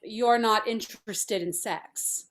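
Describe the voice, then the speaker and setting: A woman playing a brisk, haughty feminist artist in a script read, speaking in a formal, clinical, matter-of-fact way. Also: medium pitch, fairly bright tone. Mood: businesslike, blunt. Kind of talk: table read of a film script.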